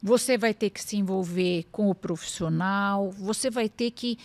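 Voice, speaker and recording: A woman's voice: mid-range voice, moderate pace. A middle-aged woman with a Brazilian Portuguese accent speaks as a guest on an interview show. She talks earnestly and with emphasis, slipping into quoted dialogue as she tells her stories. The sound is dry and close, with no room echo. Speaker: lawyer and podcast guest. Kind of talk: conversational interview.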